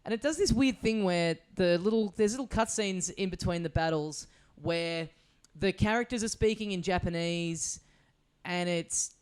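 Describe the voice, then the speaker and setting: A man's voice: sits high, moderate pace, clean tone. An Australian man co-hosting a podcast, chatting casually and rambling with lots of fillers and restarts. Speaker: podcast co-host. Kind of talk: casual chat. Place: small studio.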